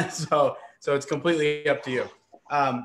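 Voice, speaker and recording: A man with a bright, sharp tone talks over light background noise. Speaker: chef instructor. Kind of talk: tutorial. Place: kitchen. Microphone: video call.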